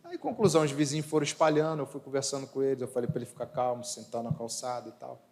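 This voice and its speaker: A man's voice: mid-range voice, fast talker, darkish tone. A male pastor, preaching a sermon with personal stories, rhetorical questions and humorous asides. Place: church. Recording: church hall reverb.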